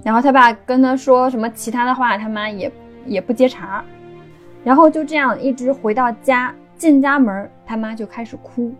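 A woman's voice: on the high side, brisk, faint music behind. A woman hosting a podcast, telling a story in a chatty, casual way. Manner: chatty, with frequent erhua endings. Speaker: podcast host.

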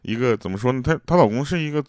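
A man's voice: medium pitch, lively intonation, racing. A man tells comic everyday anecdotes in a chatty way, laughing at his own jokes and putting on voices for the quoted people. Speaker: comic storyteller. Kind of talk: casual joke-telling monologue.

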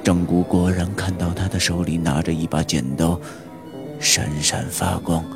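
A man narrating a horror audiobook in a slow, suspenseful storytelling manner. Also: low voice, little pitch movement, creaky. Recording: audiobook with background music.

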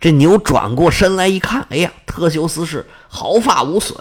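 A man's voice: on the high side, animated, moderate pace, slightly rough. A male storyteller animatedly retelling a myth, full of vivid sound words. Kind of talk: oral storytelling of myths.

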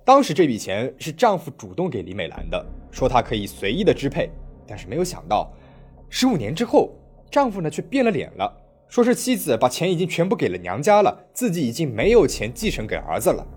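A man tells a true-crime story from a script in a voice of middle pitch. He narrates dramatically, with a lively, swinging delivery that climbs on key moments. Soft music plays faintly behind him. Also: brisk, husky. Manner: dramatic storytelling with rising emphasis.

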